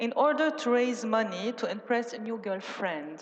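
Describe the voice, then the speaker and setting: Noticeable background noise sits behind a woman speaking at a fairly high pitch in a French accent. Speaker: conference speaker. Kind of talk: academic talk. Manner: halting. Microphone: echo.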